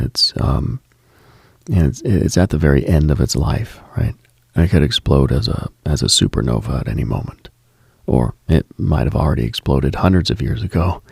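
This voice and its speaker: Hushed and reflective, a man muses on spiritual matters for late-night radio in a very low voice dense with vocal fry, extremely husky and breathy throughout. The sound is studio quality, with no room sound.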